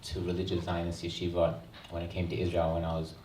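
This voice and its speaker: An Australian man in his thirties, an author speaking earnestly at a book launch, with many ums and pauses. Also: low voice, monotone, a little mellow, a little hiss or hum. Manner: earnest, reflective, frequent ums. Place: event hall. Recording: roomy hall sound, mic at a distance.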